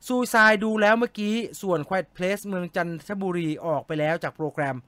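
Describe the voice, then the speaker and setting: A man with a high, bright voice chats casually with his live-stream viewers, reading their comments aloud and answering with jokes. His voice sits close to the mic in a dry, deadened space. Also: fairly quick, clean tone, no echo. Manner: chatty, joking, reads comments aloud and answers them.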